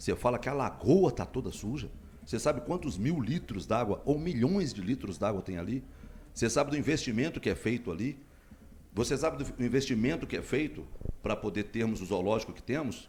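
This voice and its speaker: Somewhat breathy, a man talks fairly quickly, his pitch swinging very widely. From Brazil, Belo Horizonte (Minas Gerais). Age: 50s. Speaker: mayor. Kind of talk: radio interview. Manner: animated, emphatic.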